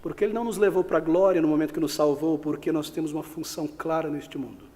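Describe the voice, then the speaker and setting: A man's voice: on the high side, fairly even intonation, fast talker, dark tone, big-room sound. A man preaching an expository sermon as pastor, pressing his listeners with rhetorical questions.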